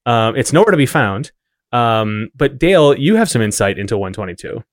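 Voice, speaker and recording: A man's voice: mid-range voice, animated, normal speed, no room sound, studio quality. A man co-hosting a podcast in casual chat, with a wry, rambling way of explaining things. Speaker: podcast co-host.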